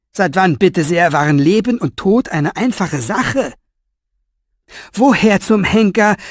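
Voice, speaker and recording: Male audiobook narrator, slightly high voice, dry close sound. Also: no room sound. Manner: expressive storytelling with lively inner voice.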